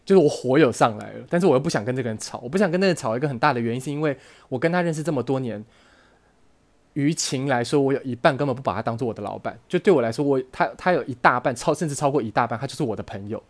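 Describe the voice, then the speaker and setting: A man's voice: medium pitch, animated. A man hosting a podcast, telling a personal story in an earnest, emotional way and often restarting his phrases. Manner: earnest, emotional, halting with frequent self-restarts. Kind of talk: casual storytelling monologue.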